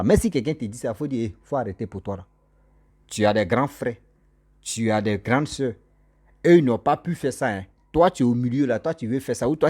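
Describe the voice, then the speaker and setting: A man's voice: medium pitch, a little mellow, slightly rough. A man lecturing his viewers in a monologue, scolding them and repeating his points as he addresses them directly. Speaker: social commentator. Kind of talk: moralizing monologue to camera.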